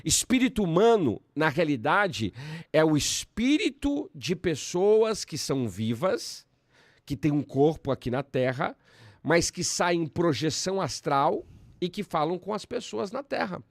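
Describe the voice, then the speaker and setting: A Brazilian man, a pastor, teaching in conversation, switching between emphatic bursts and calm explanation. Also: a little high, measured pace, no echo, studio quality. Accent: Brazilian Portuguese.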